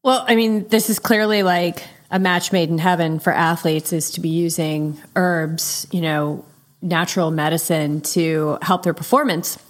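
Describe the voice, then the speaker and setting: A woman in her fifties hosting a casual podcast interview, effusive and quick to laugh. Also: lowish voice, steady tone. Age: 50s. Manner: warm, effusive, laughs easily. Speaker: podcast host.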